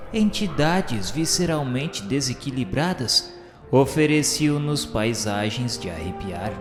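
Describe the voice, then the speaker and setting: An earnest Brazilian spirit disciple, played by a man, narrates a radio drama in solemn, literary phrases. His mid-pitched voice rings with long reverb. Music plays clearly behind him. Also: lightly acted. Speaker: narrator and protagonist. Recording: echoey hall reverb under prominent music.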